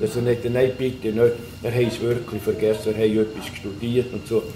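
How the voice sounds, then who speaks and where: Speaking at a moderate pace with a Rheintal Swiss accent. Audible room echo and light background noise are present. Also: man. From Rheintal, Switzerland. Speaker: storyteller. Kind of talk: anecdote storytelling. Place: home room. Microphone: phone near.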